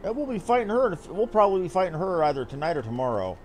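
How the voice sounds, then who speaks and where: A man's voice: sits high, sing-song, very fast, soft background music. A man streaming a game, reading its dialogue aloud theatrically and adding casual, offhand commentary. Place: game stream with music behind the voice.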